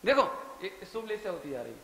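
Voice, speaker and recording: A man's voice: high voice, very animated, brisk, vocal fry. A man giving a sermon, telling family anecdotes and voicing the people in them. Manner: storytelling, softly voicing family members in quoted lines. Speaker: Jain preacher. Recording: echoey hall with long reverb, faint ambience.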